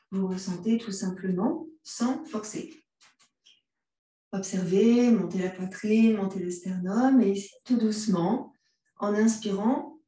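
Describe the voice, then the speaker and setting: A woman with a French accent leads a yoga class in a slow, soothing way. Her voice is mellow and her cues are gentle. She sounds far from the mic in a very echoey room. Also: medium pitch. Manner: calm, gentle cues, mixes vous and tu. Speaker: yoga instructor. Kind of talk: guided yoga class instruction.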